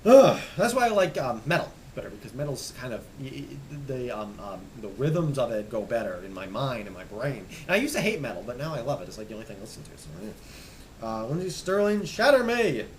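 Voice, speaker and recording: A young man casually rambling as he shows off his music collection, stammering and restarting, hoarse and losing his voice. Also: mid-range voice, very animated, fairly quick, slight background noise, low-quality recording. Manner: enthusiastic, rambling, stammers and restarts, trails off quietly. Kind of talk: casual rambling show-and-tell.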